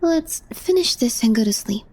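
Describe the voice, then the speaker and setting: A woman playing a calm, deadpan young female coworker with a hidden crush in a soft, breathy ASMR role play, gently teasing the listener. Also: a little high, moderate pace. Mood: calm resignation. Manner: cool, matter-of-fact, gently teasing.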